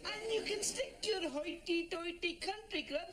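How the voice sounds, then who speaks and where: An actor playing an earnest, hot-headed young assistant who speaks up indignantly. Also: male voice, very high voice, unhurried, bright, forceful tone, exaggerated voice. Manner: indignant, eager to defend.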